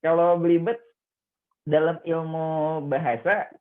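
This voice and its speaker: A young man, a radio and TV presenter, explaining speaking tips in an online discussion and acting out examples with big jumps in pitch. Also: little pitch movement, slow. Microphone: video call. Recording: tinny phone-like call audio.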